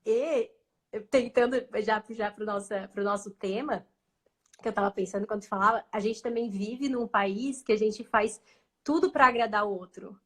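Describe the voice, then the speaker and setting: A woman's voice: medium pitch, normal speed. A woman, a guest in a casual live-stream conversation, speaking thoughtfully and often restarting her phrases.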